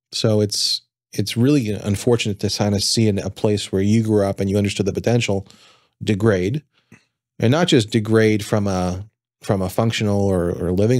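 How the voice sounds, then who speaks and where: A normal speaking voice over a quiet background. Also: man. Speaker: podcast guest. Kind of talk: interview answer. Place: studio. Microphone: studio mic.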